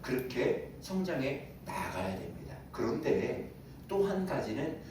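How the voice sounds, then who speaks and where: A man's voice: medium pitch, very animated, unhurried, background noise. A male pastor giving a Sunday sermon in a conversational way, asking his congregation questions and chuckling now and then. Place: church sanctuary. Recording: very echoey room, voice from a distance.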